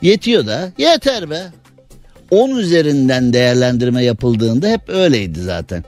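A man's voice: medium pitch, very animated, moderate pace, darkish tone, soft background music. A male radio host in casual studio talk, chatty and opinionated, full of rhetorical questions.

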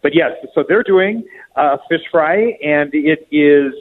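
A man's voice: fairly high pitch, slow, a little hiss or hum. A man calling in to a radio show from a public restroom, chatty and joking, his voice echoing off the tiled walls. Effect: echo of a tiled public restroom. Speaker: weekly events contributor calling in. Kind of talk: casual radio call-in chat. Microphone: phone. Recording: tinny phone line with restroom echo.

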